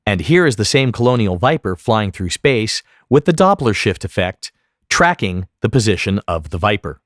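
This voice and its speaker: A man giving scripted software tutorial narration as an instructor, speaking in a precise, explanatory way. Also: lowish voice, sing-song, moderate pace.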